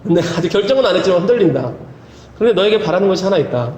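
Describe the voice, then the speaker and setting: A man's voice: high-pitched, animated, very fast, a little mellow, slight background noise. A man voicing God speaking plainly to a persistent believer in a casual, wry way. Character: God, patient fatherly voice, wryly teasing. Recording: roomy church hall, faint ambience.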